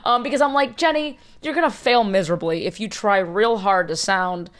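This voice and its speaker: Animated Cuban-American woman co-host. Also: medium pitch, moderate pace. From Cuban-American, Miami. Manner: animated, laughs often, swears. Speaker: podcast co-host. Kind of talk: casual chat.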